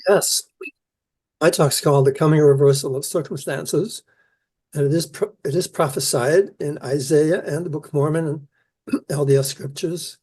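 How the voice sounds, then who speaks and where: An older man, born in the Netherlands and raised in New Zealand, answering interview questions about his scripture research in an earnest, measured way. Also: fairly high pitch, fairly even intonation, a little mellow, slightly rough, rough recording. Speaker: Isaiah scholar, keynote speaker.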